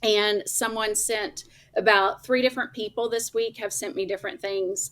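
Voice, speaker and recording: With an Oklahoma accent, a woman talks at a moderate pace with a fairly high pitch and ordinary pitch variation. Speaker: consultant and speaker. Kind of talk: interview.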